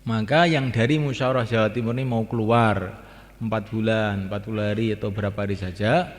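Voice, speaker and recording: A man's voice: on the low side, fairly even intonation, brisk. Man preaching in an echoing hall. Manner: repetitive, emphatic, chants call to prayer phrases. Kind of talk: religious talk to a gathering. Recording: long reverb hall.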